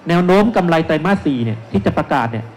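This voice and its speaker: Racing along with lively intonation, this fairly high-pitched man in his thirties is a securities analyst speaking on a panel at an investment seminar. He holds a handheld microphone on an indoor stage at a shopping mall expo and explains step by step, using polite particles frequently. The live event sound is noisy.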